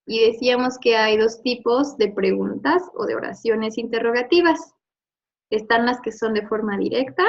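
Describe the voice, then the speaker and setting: Patient woman teacher, lo-fi. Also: fairly high pitch. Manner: patient, explains with examples and checks with "¿no?". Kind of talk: remote review lesson. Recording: dull lo-fi audio.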